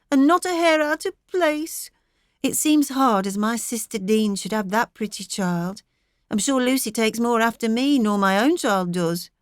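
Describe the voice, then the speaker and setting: A woman's voice: on the high side, dry recording, clean studio sound, voice pushed up. A woman playing a fretful, complaining country mother. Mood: indignant, plaintive. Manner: fretful, plaintive scolding.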